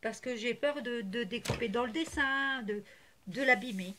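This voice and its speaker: A woman's voice: fairly high pitch, normal speed, bright, forceful tone, slight background noise. A woman chatting casually to camera about her craft haul, hesitant with many fillers, gushing and repeating herself. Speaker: crafting vlogger showing a haul.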